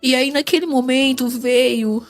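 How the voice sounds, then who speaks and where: Woman, Brazilian Portuguese accent, high-pitched, crying, emotional testimony, repetitive. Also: fairly even intonation, unhurried, faint music behind. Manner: tearful, repeats phrases, raises voice in bursts. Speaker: mother giving a faith testimony.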